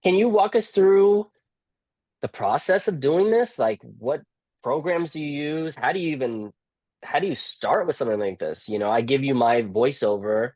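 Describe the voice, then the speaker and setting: A man's voice: mid-range voice, expressive, moderate pace, darkish tone, no room sound. A man chatting casually as an interviewer, with an informal, easygoing, slangy way of talking. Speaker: interviewer and audiobook narrator.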